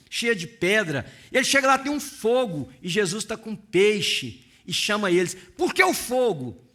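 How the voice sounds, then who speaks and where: A middle-aged pastor preaching with passion, his voice pitched high and ringing bright. He swings between hushed asides and rising, emphatic peaks, acting out the scenes he describes. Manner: impassioned, dramatic, acts out scenes. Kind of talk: sermon.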